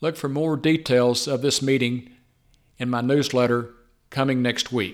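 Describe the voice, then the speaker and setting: A man speaks at a medium pitch and a fairly slow pace, with fairly even intonation. The recording is very clean, with a silent background. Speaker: radio host. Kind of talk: news reading and scripted intro.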